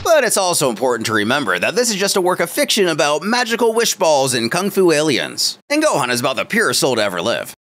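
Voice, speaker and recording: A man's voice: a little high, wildly swooping pitch, fast, few pauses, a bit bright. A man narrating a story retelling in a playful way with wry asides. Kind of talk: comic story recap narration. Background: faint background music.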